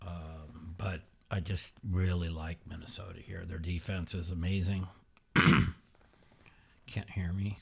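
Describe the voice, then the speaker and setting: A man hosting a podcast in casual sports betting talk, sluggish and halting, with many fillers and restarts, sometimes speaking quietly. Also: sits low, flat delivery, vocal fry, breathy edge. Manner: talks quietly at times. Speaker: podcast host.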